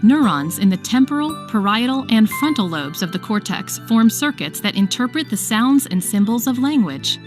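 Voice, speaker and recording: Woman narrating over soft music. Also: on the high side, animated, normal speed, hardly any pauses. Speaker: video narrator. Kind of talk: scripted educational narration. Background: soft background music.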